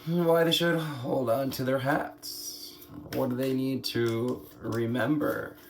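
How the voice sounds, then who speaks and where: Slow gravelly man reading tarot. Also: mid-range voice, steady tone, slight background noise. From United States. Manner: slow, meandering, musing aloud with pauses and throat clearing. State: hoarse, scratchy throat. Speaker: tarot reader. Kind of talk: slow spiritual card reading.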